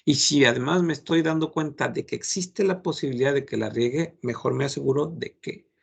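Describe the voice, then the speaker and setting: A man's voice: mid-range voice, brisk, gravelly, breathy edge. A man, a French teacher lecturing his class in an earnest, admonishing way, giving many examples.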